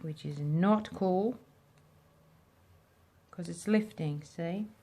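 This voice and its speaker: A woman with a slight smoker's rasp hosting a casual hands-on craft tutorial, thinking aloud informally as she works. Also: lowish voice, warm tone. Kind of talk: casual hands-on demo chat.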